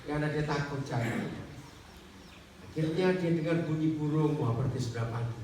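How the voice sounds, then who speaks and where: A male preacher giving an animated sermon, telling a story and quizzing his congregation directly. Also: a little high, normal speed. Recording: echoey hall from far off with faint noise.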